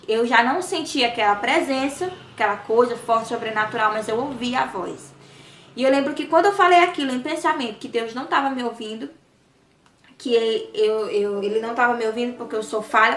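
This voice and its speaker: A woman giving an earnest personal faith testimony, often addressing her listeners directly. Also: on the high side. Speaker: testimony guest. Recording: roomy with soft music behind. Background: faint instrumental music.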